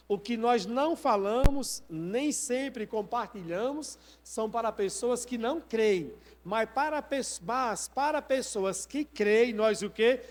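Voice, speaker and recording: A man preaching from the pulpit in a high, ringing voice. He keeps prompting his congregation with questions and lets them finish his sentences. His words trail off into the long reverb of a church sanctuary. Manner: preaching with rhetorical questions and call-and-response prompts. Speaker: pastor. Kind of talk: sermon.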